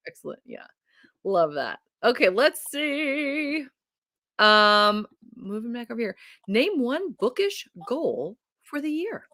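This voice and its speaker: Bright, dry-voiced woman book host. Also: a little high, very animated, slow, no room sound. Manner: enthusiastic, reads viewer comments aloud, laughs often. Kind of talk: casual livestream book chat.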